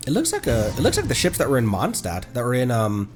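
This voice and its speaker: A man livestreaming a game with casual commentary, thinking aloud in a halting way. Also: medium pitch, huge pitch swings, over music.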